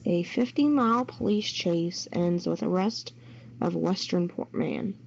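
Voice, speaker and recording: Female news reader for amateur online radio, lower register, lo-fi muffled sound, faint noise behind. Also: unhurried, vocal fry, a little mellow. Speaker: co-presenter reading a news story. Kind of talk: reading a local news report aloud. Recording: muffled voice-chat audio with background noise.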